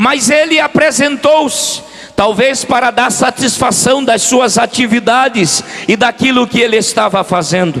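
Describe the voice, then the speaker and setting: Extremely high-pitched, a man speaks at a fairly slow pace with ordinary pitch variation and very even loudness, over noticeable background noise. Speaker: pastor. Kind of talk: sermon. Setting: church conference with PA system.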